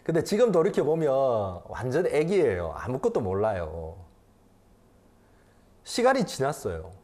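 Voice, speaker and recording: Preaching a sermon, this fifties-aged male pastor alternates booming emphasis with hushed closeness, driving points home through repeated phrases. His mid-range voice swoops wildly in pitch while his pace stays measured.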